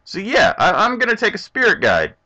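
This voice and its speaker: A man's voice: high-pitched, fairly quick. A young man casually commentating his online card game, chatty and talking to his opponent. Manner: chatty, animated, talks to himself and the opponent. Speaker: gameplay commentator. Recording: dull lo-fi recording.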